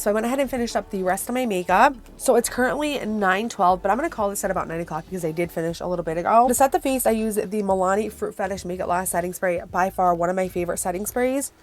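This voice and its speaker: A woman's voice: medium pitch, a little mellow. A woman beauty vlogger chatting casually to viewers through a product review, her voice worn from being sick.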